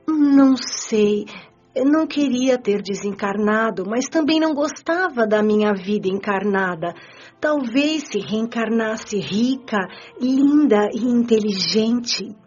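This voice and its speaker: A discontented, self-pitying woman spirit from a Brazilian radio play. Her voice sits fairly high and sounds tearful and whining. The audio is a little muffled, with music playing behind her. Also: expressive, slow pace, a little mellow, breathy edge, exaggerated voice. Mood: sulky, plaintive. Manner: whiny, lamenting, self-pitying. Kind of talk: Brazilian audio drama acting.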